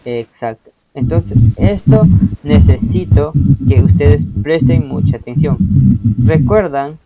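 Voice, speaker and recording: A man's voice: fairly high pitch, expressive, slow pace, phone-quality sound, a crowd in the background. A man teaching an interactive language lesson, patiently explaining and often checking that students follow.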